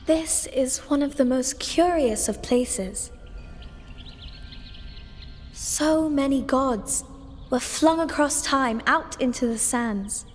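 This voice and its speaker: A woman's voice: high-pitched, slow, long pauses. A woman voicing a curious, wistful, otherworldly child in a video game, musing dreamily. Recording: long reverb, faint music behind.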